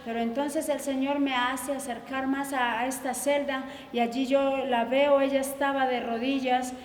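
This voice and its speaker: A woman's voice: high-pitched, level tone, moderate pace, slight background noise. A woman giving an earnest, insistent sermon testimony. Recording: echoey hall reverb.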